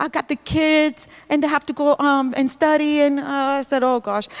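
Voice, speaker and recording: A woman speaks with a Puerto Rican accent at a high pitch. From Puerto Rico. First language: Spanish. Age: 50s. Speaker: church member sharing testimony. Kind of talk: testimony. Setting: church with congregation.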